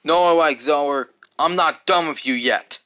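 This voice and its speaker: An actor playing a defiant, determined young hedgehog hero with an earnest, declamatory delivery in fan cartoon cutscenes. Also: male voice, on the high side, moderate pace, sharp tone, smooth.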